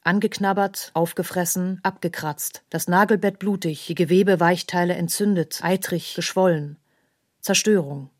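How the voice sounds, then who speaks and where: A woman's voice: lowish voice, natural voice. An actress playing a grave female narrator of a tormented childhood in a literary radio play, speaking in stark, clipped, emphatic phrases. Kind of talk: literary radio play monologue, terse fragmented delivery.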